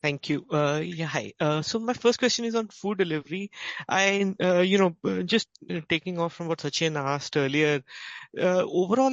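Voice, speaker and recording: A man with an Indian accent asking questions as a financial analyst on an earnings call, in a halting, self-interrupting way. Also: a little high, no echo. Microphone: conference call line. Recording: dull, lo-fi conference call audio.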